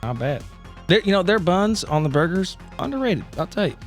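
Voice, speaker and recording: A man's voice: sits high, big pitch swings, fairly quick, soft background music. A man bantering casually as a player on a tabletop role-play podcast, joking and swearing freely. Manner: profane, joking.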